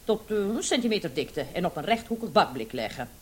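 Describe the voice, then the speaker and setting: Lively, bossy police commissioner. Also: female voice, lowish voice, brisk. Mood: businesslike, bossy. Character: brisk female police commissioner, easily distracted, bossy. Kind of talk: comic radio play acting.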